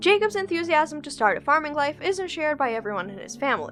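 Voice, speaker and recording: With music in the background, a woman talks in a raised, projected voice at a very fast pace. Her pitch is high and swings very widely. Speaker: film reviewer. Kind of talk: video essay film review.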